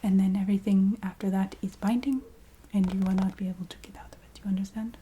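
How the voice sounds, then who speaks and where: A woman voicing a polite, businesslike vampire recruiter in an ASMR roleplay, speaking in a soft half-whisper with a put-on foreign accent and halting, apologetic formality. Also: mid-range voice, steady tone, slight background noise, close to an everyday voice. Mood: polite, encouraging. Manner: halting, formal, polite filler-laden explaining.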